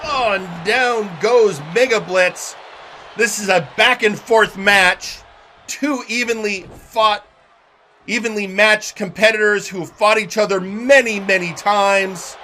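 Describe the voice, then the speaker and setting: A man working as an excitable wrestling commentator, mixing live calls with conversational analysis. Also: sits high, slow pace, slight background noise.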